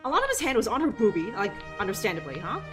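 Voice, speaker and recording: A woman's voice: fairly high pitch, big pitch swings, very fast, over music. A woman streamer giving casual gameplay commentary, giggly and rambling.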